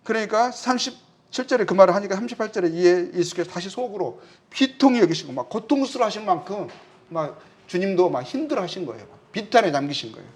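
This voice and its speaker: Male pastor, high-pitched, emphatic storyteller style sermon with fillers and repetition. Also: fast talker. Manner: retells scripture in lively storytelling, quoting figures in speech. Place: church.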